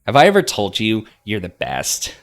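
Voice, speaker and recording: A man's voice: fairly low pitch, wildly swooping pitch, normal speed, faint music behind, pitched above the performer's own voice. A man voicing an eager, sweet, shy young woman in visual novel dialogue. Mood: affectionate.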